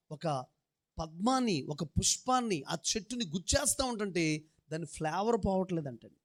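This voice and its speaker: A male pastor preaching a sermon, telling folksy stories and leading the congregation in repeating verses in rhythmic, repeated phrases. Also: high voice.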